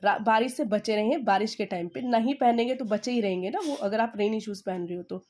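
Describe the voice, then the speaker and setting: A woman with an Indian accent and a fairly high, darkish voice teaches English in Hindi, repeating her explanations and checking in with "okay?". When she reads English sentences aloud, she dictates them slowly and with heavy stress, as in a Hindi-English language lesson.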